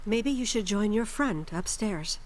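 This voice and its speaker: An actress playing a weary middle-aged mother in a video game, guarded and caring, speaking in a measured, hushed way. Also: mid-range voice, expressive, a little hiss or hum, natural voice. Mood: stern, hushed.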